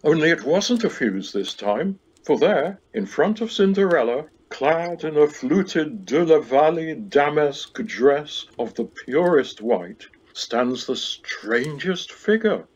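A man's voice: fairly high pitch, lively intonation, takes it slowly, few pauses, breathy edge. A man narrating a comic pantomime as a storybook tale, in a dull home recording. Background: loud background music.

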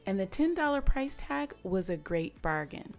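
A woman's voice: medium pitch, sing-song, normal speed, faint music behind. A woman, co-host of a home-improvement channel, narrating a scripted how-to voice-over in a conversational, explanatory way.

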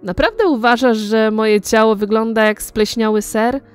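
A woman voicing a sharp-tongued young woman, an artist's model, in an audiobook reading, outspoken and scolding. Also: fairly high pitch, normal speed, smooth, faint music behind, close to an everyday voice.

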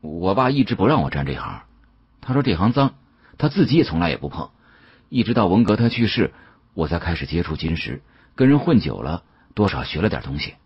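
A man as a husky, savvy young antique dealer. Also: deep voice, big pitch swings, a little fast, dry recording, highs cut off, heavily acted. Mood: guarded.

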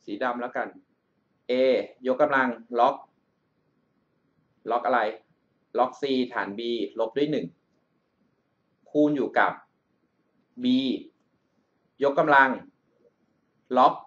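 A male math tutor records a voice-over for a screencast, working through an exam problem and often checking in with his student. He refers to himself with a big-brother nickname. His mid-range voice is fairly bright and slow, with long pauses, though the audio sounds dull.

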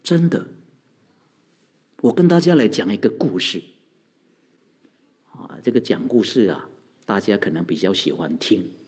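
Lively husky-voiced monk telling a story. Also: male voice, lowish voice. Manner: animated storyteller who chuckles and chants mantras slowly. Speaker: Buddhist monk giving a dharma talk. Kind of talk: storytelling dharma talk. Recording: dull lo-fi recording.

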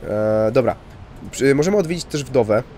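A man's voice: mid-range voice, lively intonation, moderate pace, dark tone, slight background noise. A man casually commenting on a video game, muttering to himself as he plays. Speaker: gamer. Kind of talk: let's play commentary.

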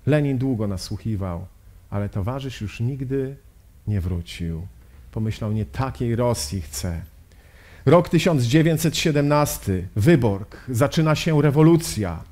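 A man's voice: medium pitch, expressive, a little slow, a little mellow. A male pastor giving a sermon lecture, telling a story solemnly and posing rhetorical questions. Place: lecture at a health exhibition.

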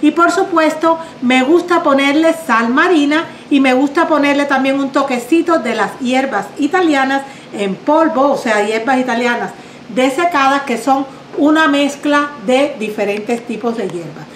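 A middle-aged Cuban woman with a Cuban Spanish accent hosts a home cooking demonstration in her kitchen, chatting warmly and using fond little diminutives. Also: high voice, normal speed. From Cuba. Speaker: cooking show host. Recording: roomy kitchen echo, faint background noise.

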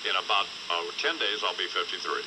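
A man's voice: low voice, brisk. A man in his fifties hosting a morning radio show, grumbling and teasing his guest in a noisy old broadcast. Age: 50s. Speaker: radio host.

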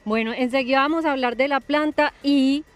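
A young woman hosting a TV gardening show, talking calmly outdoors in a garden with a few fillers. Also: high-pitched, a little fast. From Colombia. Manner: calm, explanatory, with fillers. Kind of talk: relaxed TV show conversation.

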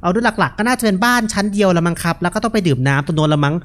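A young man gives casual, joking horror game commentary, relaxed and unafraid, speaking into a headset mic. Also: sits high, very fast. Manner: laid-back, joking, unafraid. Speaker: gaming video host.

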